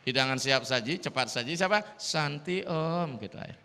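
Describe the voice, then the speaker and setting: A man with a Sulawesi accent, a Hindu priest giving a dharma talk and preaching in a lively way, with English phrases mixed in. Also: medium pitch, normal speed, a little hiss or hum. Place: large hall at a temple gathering. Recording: long reverb of a hall.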